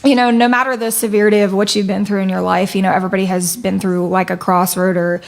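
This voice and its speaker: A young adult woman singer, a guest chatting casually in a music studio, soft-spoken and hesitant with lots of fillers. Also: mid-range voice, level tone, quick pace, gravelly. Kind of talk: casual interview chat.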